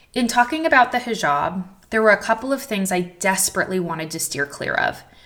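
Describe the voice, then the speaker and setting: A woman with an American accent talks at a fairly quick pace. Noticeable background noise sits behind her. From United States. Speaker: podcast host and writer. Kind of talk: monologue commentary.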